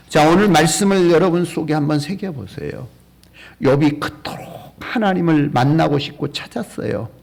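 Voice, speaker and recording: A man's voice: on the high side, creaky. A man preaching a sermon as a pastor in a church, earnest and full of rhetorical questions.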